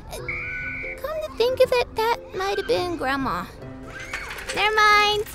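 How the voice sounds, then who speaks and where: Over loud background noise, a woman speaks at a fairly slow pace with long, frequent pauses, and the sound is dry with no echo. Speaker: voice actor. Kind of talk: voice reel character acting. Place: booth. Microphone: studio mic.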